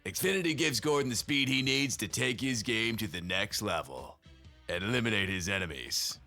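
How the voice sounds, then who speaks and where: A man with a gravelly voice doing mock-serious, dramatic commercial narration. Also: on the low side, animated, normal speed, pushed and bright. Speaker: commercial voice-over announcer. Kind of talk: scripted comic TV ad narration. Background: music bed.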